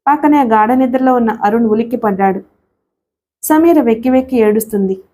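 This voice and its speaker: Steady woman storyteller, slightly high voice. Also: fairly quick. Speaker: audiobook narrator. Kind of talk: storybook narration.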